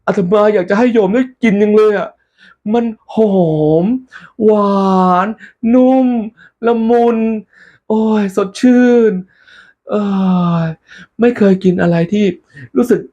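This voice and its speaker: A man voicing a kindly, cheerful male monk in a told story, exclaiming with hearty, drawn-out words. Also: high voice, highs cut off, voice pushed up. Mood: delighted. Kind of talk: storytelling role-play.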